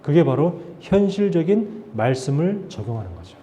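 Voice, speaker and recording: Man, pastor, Sunday sermon, animated, conversational, fairly high voice, mellow. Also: normal speed, a little hiss or hum. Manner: animated, acts out quoted voices of God and Moses; conversational, asks the congregation questions. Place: church sanctuary.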